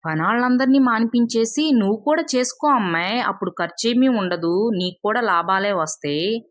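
A woman voicing a hardworking older mother-in-law in a told folk tale, brisk and commanding. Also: mid-range voice, animated, no room sound, clean studio sound, natural voice.

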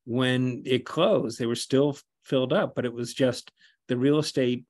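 A man's voice: mid-range voice, steady tone, unhurried, darkish tone. An older man interviewing a guest over a video call, chatty, asking long rambling questions and often affirming.

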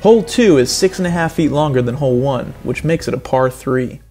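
A man's voice: mid-range voice, a little fast, faint music behind. Man doing mock golf play-by-play. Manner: earnest play-by-play, building to excited outbursts. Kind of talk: parody sports commentary.

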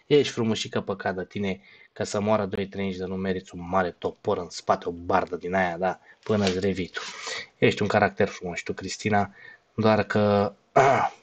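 Low-voiced streamer signing off bluntly. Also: male voice. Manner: rattles off thanks to viewers, blunt and crude teasing. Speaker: live streamer. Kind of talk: casual live-stream sign-off.

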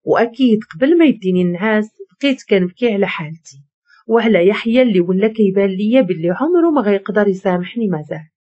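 A woman's voice: medium pitch, animated, quick pace, warm tone, breathy edge, dull audio. A woman with a Moroccan Arabic accent narrating a first-person story in an emotional, confessional way.

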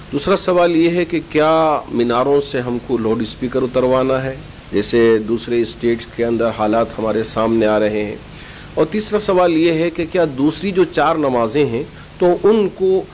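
Middle-aged male cleric, mid-pitched, measured formal statement with pauses, indoor recording with noise. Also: a little mellow, rough recording. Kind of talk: spoken public statement to camera. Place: small indoor office lined with bookshelves. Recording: clear background noise, low rumble.

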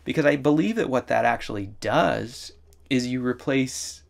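A man's voice: mid-range voice, normal speed, gravelly. A man in his forties talking casually to the camera from a wooden room, rambling and thinking aloud with many asides. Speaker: vlogger. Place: wooden room by a large window.

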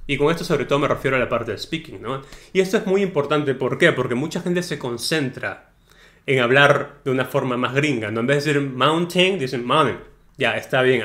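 A man's voice: medium pitch, fairly bright tone. A man tutoring for an English exam in a casual video lesson, talking straight to the viewer with frequent tag questions. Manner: chatty, tags sentences with ¿no? and ¿ok?; direct, advising tone, addresses the viewer as tú.

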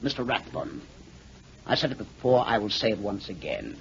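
An actor playing a stubborn, short-tempered doctor, brusque and emphatic, in a 1940s radio drama. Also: male voice, on the low side, very animated, normal speed, gravelly, slightly rough, full character voice. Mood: indignant. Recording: muffled, noisy 1940s radio recording.

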